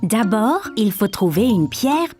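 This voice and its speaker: A woman's voice: medium pitch, big pitch swings, slow pace, a little mellow, soft background music. A woman voicing an encouraging mother in a French cartoon dub, patiently teaching her child.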